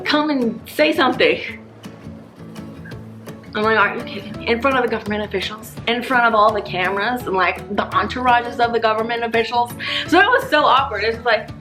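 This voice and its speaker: A woman vlogger who is a native English speaker, telling stories casually in an animated, slangy way and acting out dialogue. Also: on the high side. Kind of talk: casual chat to camera, storytelling.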